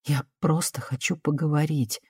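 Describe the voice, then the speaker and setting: A woman reading an audiobook voices a gentle, cautious woman speaking softly and trying to calm someone down. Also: low voice, normal speed, husky, dry recording, clean studio sound. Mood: coaxing. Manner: soft, conciliatory, hushed.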